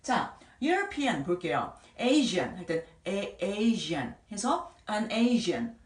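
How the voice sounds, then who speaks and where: A woman teaching English grammar in a patient way, sounding out words slowly and repeating them. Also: medium pitch, sing-song, echoey room, distant mic. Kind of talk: explaining grammar at a whiteboard.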